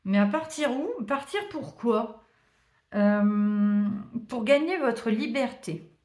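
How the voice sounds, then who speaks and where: A woman chats her way through a tarot reading, thinking aloud and filling gaps with hesitations. Her voice sits slightly high. The room around her rings with noticeable echo. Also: lively intonation, takes it slowly. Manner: chatty, warm thanks, many hesitations and small laughs. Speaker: tarot reader. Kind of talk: casual card-reading chat to viewers. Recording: roomy echo.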